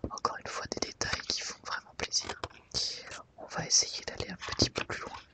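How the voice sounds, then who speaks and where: An ASMR host, whispering softly and unhurriedly while guiding listeners through a book. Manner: soft, unhurried guided browsing through a book.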